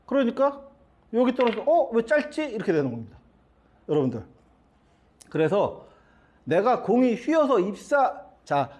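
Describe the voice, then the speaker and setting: A man's voice: high-pitched, a little mellow, husky. A middle-aged man teaching billiards at the table, explaining each shot step by step and asking his students questions as he goes. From South Korea. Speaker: billiards instructor. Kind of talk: demonstration lesson.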